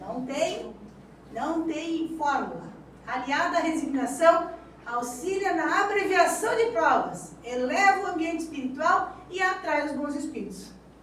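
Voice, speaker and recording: A woman talks fairly slowly in a room with audible echo and noticeable background noise. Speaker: spiritist lecturer. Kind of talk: lecture.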